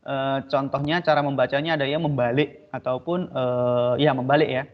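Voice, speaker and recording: A male teacher giving an online lesson, patiently explaining and slowly repeating Arabic letter sounds for students. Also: mid-range voice, fairly even intonation. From Indonesia. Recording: dull lo-fi recording.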